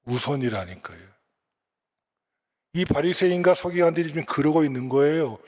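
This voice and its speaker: A man's voice: fairly high pitch, lively intonation, normal speed, a little mellow, big-room sound. A male pastor with a Gyeongsang accent preaching a sermon and quizzing the congregation with repeated questions. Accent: Gyeongsang Korean.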